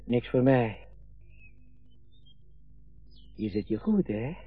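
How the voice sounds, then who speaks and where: Middle-aged father, radio drama, eager, rambling, husky, slow-paced, muffled sound with faint music. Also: mid-range voice, animated, dry recording, heavily acted. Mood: proud, relaxed. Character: chatty middle-aged father proudly showing off his home. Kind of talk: naturalistic radio drama acting.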